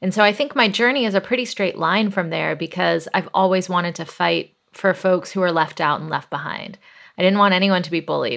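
Over a very clean recording with a silent background, a woman talks at a fairly quick pace with vocal fry. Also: medium pitch for a woman, ordinary pitch variation. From US South, Atlanta, Georgia. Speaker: nonprofit CEO and activist. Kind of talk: interview conversation.

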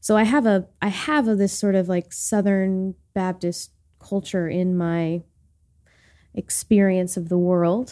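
A woman with an American accent speaks at medium pitch and a fairly slow pace. Her tone is dark and mellow, her pitch variation ordinary, and the recording very clean with a silent background. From northern US. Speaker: podcast co-host and producer. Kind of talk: casual conversation. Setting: recording in a hall.

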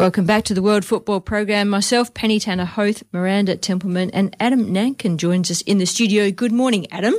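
A woman's medium-pitched voice at a fairly quick pace, with very even loudness and fairly even intonation. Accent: Australian. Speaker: radio host. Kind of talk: sports radio chat. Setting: radio studio.

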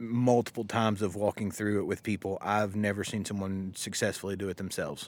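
The delivery is very fast in a slight Southern US accent. The intonation stays monotone and flat. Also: man. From US South. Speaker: guest sharing sobriety story. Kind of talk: casual chat. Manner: joking, humorous.

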